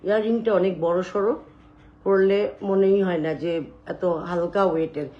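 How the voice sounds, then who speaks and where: A woman hosting a live sales stream, showing jewelry and talking loudly and chattily to her viewers. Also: mid-range voice, normal speed, dull audio, a little hiss or hum. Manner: loud, chatty, addresses viewers directly.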